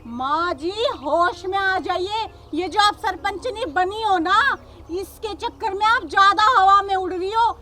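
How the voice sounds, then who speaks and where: Over a noisy background, a woman with a very high-pitched voice speaks at a measured pace. She plays a defiant young daughter-in-law who is a police officer, combatively lecturing her mother-in-law and repeating "samajh gaye."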